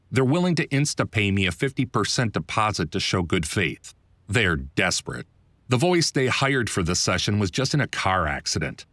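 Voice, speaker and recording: A man's voice: on the low side, fairly bright tone, no room sound. A man reading his own first-person book as scripted narration, in a wry, self-deprecating, conversational manner.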